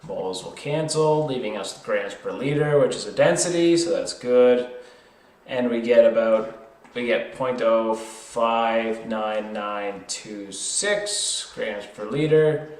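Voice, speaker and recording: A male tutor talks through a worked problem at a slow pace, in an informal way. He is hesitant and thinks aloud, correcting himself as he goes. The sound is roomy, with clear echo around his voice. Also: mid-range voice, a little mellow.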